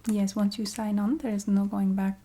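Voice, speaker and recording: A woman playing a courteous, matter-of-fact vampire receptionist in a soft-spoken ASMR roleplay, half-whispering in a put-on Eastern European accent with halting, formal phrasing. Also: mid-range voice, flat delivery, slight background noise, lightly acted. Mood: matter-of-fact, approving. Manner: halting, formal phrasing with small hesitant hums.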